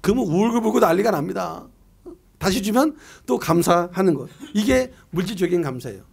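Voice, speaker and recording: A man's voice: sits high, animated, a little fast, vocal fry, darkish tone, slightly rough. A middle-aged man preaching a year-end sermon as pastor, reading scripture aloud and asking and answering his own questions in a conversational way.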